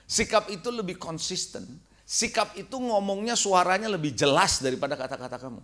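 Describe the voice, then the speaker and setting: A middle-aged male pastor giving a lively youth sermon, quizzing the crowd with questions and acting out quoted replies. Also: fairly quick. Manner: acts out quoted replies in a higher voice.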